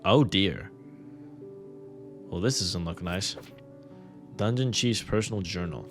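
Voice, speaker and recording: A man's voice: deep voice, takes it slowly, soft background music. A young man casually commenting on his gameplay, rambling and joking with viewers. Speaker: gaming creator. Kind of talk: let's play commentary.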